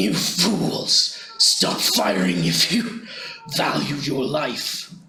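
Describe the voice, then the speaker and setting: Putting on a raspy character voice at a fairly high pitch, a man speaks at a very slow pace, with audible echo around him. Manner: commanding, warning.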